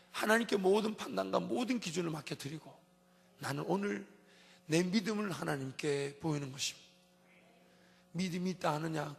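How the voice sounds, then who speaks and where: A male pastor preaching an emphatic dawn-service sermon, repeating his refrains and swinging between soft and loud passages. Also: on the high side, creaky. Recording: long church hall reverb.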